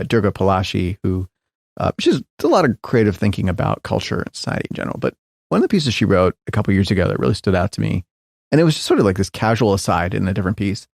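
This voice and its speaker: A middle-aged man speaks as a guest in a conversational interview, his low voice carrying a gravelly texture. He thinks aloud, circling back, hedging and restarting his sentences. The sound is close and dry. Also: a little mellow, dry recording. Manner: thoughtful, hedging, frequent restarts and fillers. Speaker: podcast guest, tech founder.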